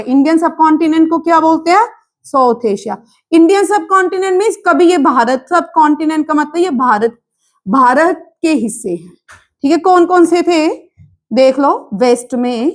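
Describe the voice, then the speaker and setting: High-voiced woman teaching a quiz lesson. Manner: drills students with repeated questions and answers; mixes English terms into Hindi. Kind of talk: exam-prep current affairs lesson.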